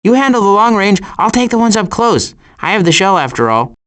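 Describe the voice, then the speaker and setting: An actor voicing a cautious, worrying turtle in an animated video game, with a dry, hesitant and wry delivery. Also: male voice, sits high, fairly quick. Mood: urgent. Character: cautious, worrying male cartoon turtle, dryly sarcastic.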